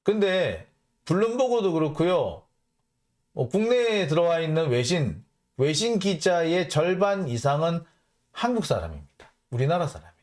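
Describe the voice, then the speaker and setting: A man hosting a political commentary show, reading out foreign news and mocking it in an animated way. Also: fairly high pitch, moderate pace. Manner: animated, mocking, acts out blunt quotes. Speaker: host of a political commentary channel.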